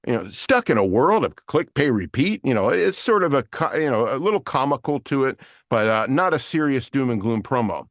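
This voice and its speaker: A man's voice: medium pitch, dry recording, clean studio sound. A man teaching an online voiceover lesson with screen share, explaining in a casual way with many fillers. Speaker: voiceover coach.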